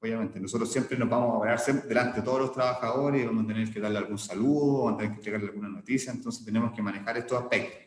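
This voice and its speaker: A man's voice: lowish voice, steady tone, racing, few pauses. A man teaching an online class, explaining step by step with frequent check-ins and small restarts. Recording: echoey room with long reverb.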